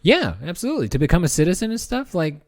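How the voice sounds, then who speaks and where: A man co-hosting a casual podcast, trading crude jokes with friends and laughing loudly. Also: sits high, very animated, fast, a little hiss or hum. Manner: loud bursts of laughter, crude joking. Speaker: podcast co-host. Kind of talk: casual banter over drinks.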